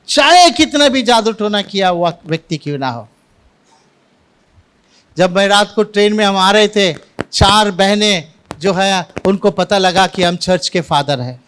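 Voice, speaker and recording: A man's voice: high voice, a bit bright, clean tone. A man preaching a Sunday sermon in church, telling anecdotes and mixing in English words. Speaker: pastor. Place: church service.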